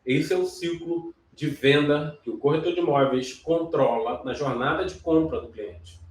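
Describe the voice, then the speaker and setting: A man with a fairly high voice gives a sales training lesson for real estate agents, walking through each step and stopping often to check that listeners follow. He sits back from the mic, so he sounds a little distant. The room around him is echoey. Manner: explanatory, frequent check-ins like "ok?" and "certo?", some restarts.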